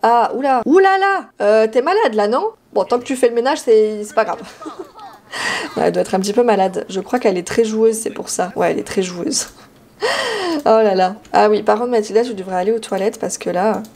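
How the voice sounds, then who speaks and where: Une jeune femme qui commente un jeu vidéo sur un ton de discussion détendue, bavarde, avec des rires et des cris aigus d'enthousiasme. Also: female voice, brisk. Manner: chatty and giggly, with excited high squeals. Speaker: gaming YouTuber. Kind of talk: casual Let's Play commentary.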